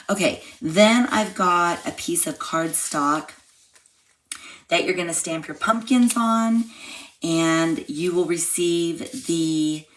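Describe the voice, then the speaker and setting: A woman with a slightly hoarse, froggy voice, chatting step by step through a live card-making class. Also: low-pitched, fairly bright tone. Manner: chatty step-by-step explaining while crafting. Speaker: craft class instructor. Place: home craft room.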